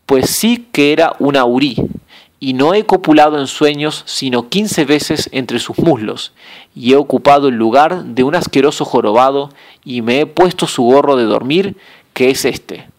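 Male narrator playing a young storybook hero, bewildered and indignant, pleading questions, pitched up. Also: animated, normal speed, lightly acted.

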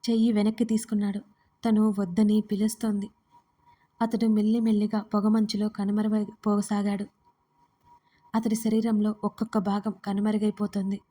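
A woman narrating a romance story in an even, steady reading style. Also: medium pitch.

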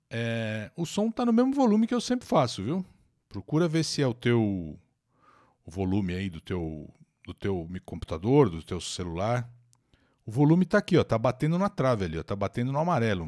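A man's voice: mid-range voice, very animated, normal speed, darkish tone. Chatty Brazilian man teaching English live. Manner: chatty, greets viewers by name, explains words and pronunciations. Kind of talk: live-streamed English lesson, reading and translating an article. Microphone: new microphone.

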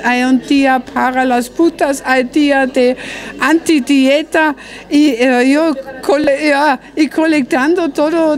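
A woman in her sixties with a German accent talks slowly in an interview, her voice pitched a bit high. She halts often, hunting for words and restarting phrases. She speaks into a handheld mic in a restaurant dining room. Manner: halting, searching for words, frequent restarts. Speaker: author. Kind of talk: interview at a book presentation.

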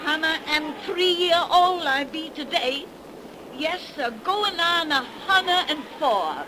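Ancient, slow-talking cackling witch crone. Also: extremely high pitch. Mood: folksy, eerie. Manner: rustic, folksy dialect, slow spinning of yarns. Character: ancient cackling witch crone, 103 years old, folksy storyteller. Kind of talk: 1930s radio horror acting. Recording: noisy 1930s radio broadcast.

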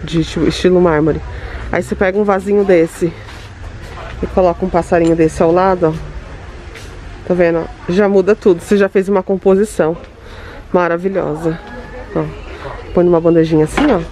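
A woman's voice: lowish voice, steady tone, normal speed, long pauses, warm tone, slight background noise. A Brazilian woman vlogging a walk through a home goods store, chatty and enthusiastic as she shows products to her viewers. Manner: enthusiastic, gushing over items, chatty asides to viewers. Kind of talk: store tour vlog, showing products.

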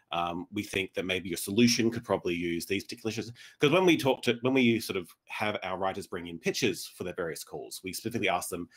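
A man talking conversationally as a panel guest, explaining things in a rambling, self-correcting way over a video call. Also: on the low side. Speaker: panel guest, podcast director. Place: indoor room on a video call.

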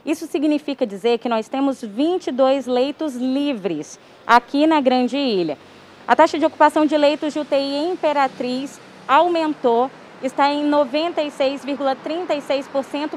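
A young woman reporting live outdoors on a handheld mic, reading figures in a clear, measured way. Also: sits high, a little hiss or hum. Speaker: field reporter. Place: outdoors by a seaside avenue.

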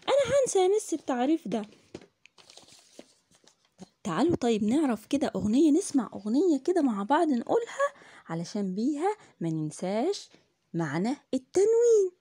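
A woman's voice: a little high, dark tone, no room sound, clean studio sound. A woman with an Egyptian Arabic accent teaching young children in a classroom lesson, repeating each point patiently, asking the class questions and praising answers. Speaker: primary school teacher.

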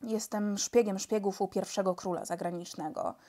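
A woman's voice: medium pitch, fairly even intonation, normal speed, natural voice. A woman reading a storybook, voicing a courteous, mild-mannered male spy chief. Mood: explaining. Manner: mild, courteous, gentle-spoken. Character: elegant polite male spy chief, calm.

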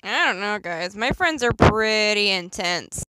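A woman's voice: mid-range voice, lively intonation, unhurried, sharp tone, a little hiss or hum, poor audio. A teenage young woman voicing a laid-back, cool cartoon teenage girl with a casual drawl. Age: teens.

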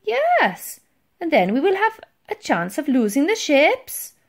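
Woman as a plucky, high-voiced young girl. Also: huge pitch swings, takes it slowly, exaggerated voice. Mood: determined. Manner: eager, insistent. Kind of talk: children's storybook character voice.

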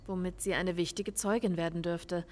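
Actress as female detective, measured, reasoning, polite, reverberant sound, radio crime play. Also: lowish voice, steady tone, darkish tone, close to an everyday voice. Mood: tentative. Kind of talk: German crime radio drama acting. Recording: long room reverb.

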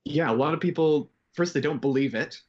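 A man in his twenties from Canada and Japan, talking reflectively and haltingly as a guest in a casual interview. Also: a little high, a little mellow. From grew up in Japan, Canadian. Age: 20s. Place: bedroom at home. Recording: slightly dull, band-limited video call.

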